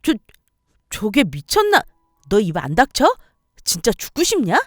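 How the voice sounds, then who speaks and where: Woman acting a nasty entitled sister-in-law, yelling insults, story radio drama, dry recording. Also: medium pitch, wildly swooping pitch, a little slow, dry recording. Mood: sneering. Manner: shouting insults, loud and belligerent.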